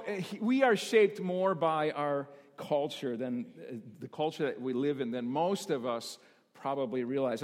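An older man preaching as a pastor, relaxed and joking about himself with his congregation. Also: a little high. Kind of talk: sermon. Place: church sanctuary. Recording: long hall reverb in a church.

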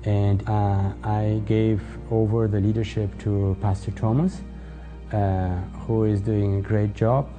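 A man in his forties from Kazakhstan, a missionary church leader, giving a halting testimony for a ministry video. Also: lowish voice, steady tone, lo-fi sound. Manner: halting, searching for words. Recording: music bed under the voice.

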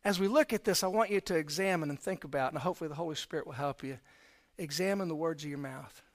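Preacher guy, kinda high voice, chatty storytelling sermon, gets quiet then loud. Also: quick pace. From Texas, raised in Florida. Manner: conversational, swings from quiet to loud emphasis.

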